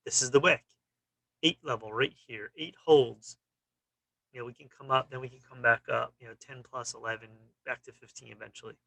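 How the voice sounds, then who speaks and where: A man runs through stock charts in quick fragments, with a steady "you know" between them. His voice has a gravelly fry and a bright, forceful edge. The sound is dry and close, with no room around it. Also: mid-range voice, no room sound, rough recording. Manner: clipped, fragmentary phrases with frequent "you know". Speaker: stock trading channel host. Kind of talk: casual chart commentary.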